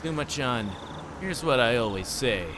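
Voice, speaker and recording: A man's voice: mid-range voice, expressive, a little slow, noisy background, close to an everyday voice. A man reading aloud the part of a folksy, self-deprecating older detective in a visual novel, musing to a junior colleague.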